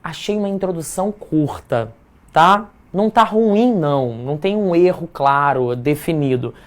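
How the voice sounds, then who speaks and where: A man's voice: fairly high pitch, measured pace. A Brazilian man teaching a live online writing class, in a chatty, playful way that keeps checking in with the audience. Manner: chatty, playful, tags remarks with "tá?".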